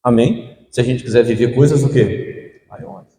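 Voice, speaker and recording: A man's voice: medium pitch, a little slow, mellow, a little hiss or hum. A young man from Brazil preaching a sermon as pastor, calling out questions for the congregation to answer. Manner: call-and-response preaching, asking the congregation to fill in words. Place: church hall. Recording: echoey hall.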